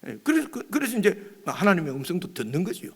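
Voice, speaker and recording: A male pastor giving a dawn prayer meeting sermon in a conversational way, often checking with his listeners and pausing on fillers. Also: sits high, wildly swooping pitch, gravelly, slightly rough, long reverb tail. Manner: conversational, often asks "right?"; hesitant, many fillers and restarts.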